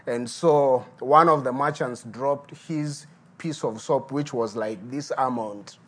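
A middle-aged man, a guest pastor giving a sermon and telling his testimony in an earnest, unhurried way. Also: medium pitch, fairly bright tone. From Uganda.

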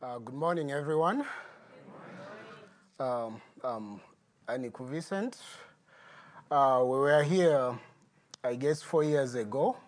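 A middle-aged man, a guest pastor giving a sermon and telling his testimony in an earnest, unhurried way. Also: mid-range voice. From Uganda.

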